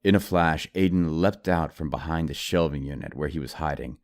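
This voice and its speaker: A man's voice: rumbling low, a little fast. A man narrating a scripted horror audiobook in a dramatized, storytelling style. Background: music.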